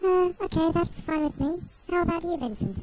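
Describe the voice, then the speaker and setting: In a squeaky, put-on character voice with an extremely high pitch, a woman talks at a moderate pace with ordinary pitch variation. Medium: audio drama. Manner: dry, deadpan.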